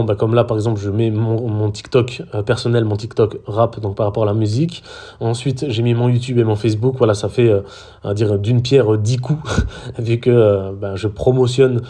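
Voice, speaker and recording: A French man with a dark, lowish voice keeps a steady tone and a moderate pace. His casual screen-recorded social media tutorial comes out hesitant, packed with fillers and restarts.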